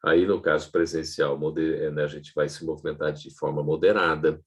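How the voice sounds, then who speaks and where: A man giving an online training lecture on public speaking to camera, in a lively teaching tone with frequent checking asides. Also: a bass voice, normal speed, slightly rough.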